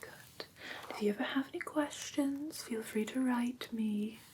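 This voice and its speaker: A woman playing a gentle, prim vampire teacher in whispered ASMR roleplay, breathy and careful, close to the microphone. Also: a little high, unhurried, noisy background, lightly acted. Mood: gentle, instructive. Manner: soft, careful, instructive, politely formal. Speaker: ASMR performer.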